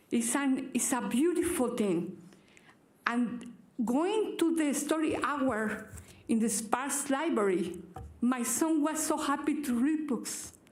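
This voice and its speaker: The speaker has a non-native accent and a very slow pace, broken by long, frequent pauses, with lively intonation and very even loudness. Room echo is audible, along with noticeable background noise. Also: woman. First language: not English. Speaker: public commenter. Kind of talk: public testimony. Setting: public meeting. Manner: halting.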